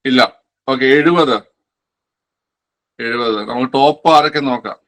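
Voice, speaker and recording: A man's voice: mid-range voice, fairly even intonation, moderate pace, fairly bright tone. A man teaching an exam-prep quiz class online, repeating each answer and asking himself questions before answering them.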